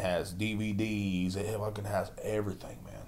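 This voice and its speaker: With music in the background, a man talks at a fairly low pitch and with fairly even intonation. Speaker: podcast host. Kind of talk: angry rant, profane casual monologue. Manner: profane, loud, ranting; rambling, stop-start, filler-heavy.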